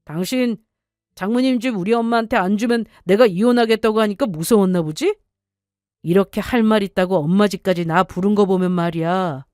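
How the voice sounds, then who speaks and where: A woman's voice: medium pitch, a little fast, darkish tone, dry recording, close to an everyday voice. A scheming middle-aged husband who bullies and threatens his wife, as a woman puts him on for an audio story. He pushes hard and turns defensive when cornered, his voice dry and close with no room around it. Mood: threatening.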